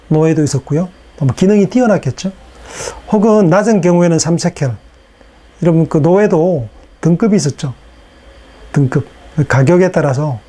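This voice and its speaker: Guy lecturing on video, voice kinda worn out, mellow tone, slightly high, chatty with lots of um's. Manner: casual and unhurried, with fillers and rhetorical questions. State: voice strained from hours of recording.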